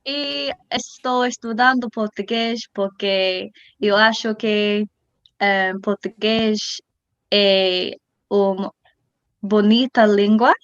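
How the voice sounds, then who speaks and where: A woman from England with an English accent, a native English speaker haltingly introducing herself as a language student. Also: mid-range voice, fairly even intonation, dull audio. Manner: halting learner's speech. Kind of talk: hesitant self-introduction in a foreign language.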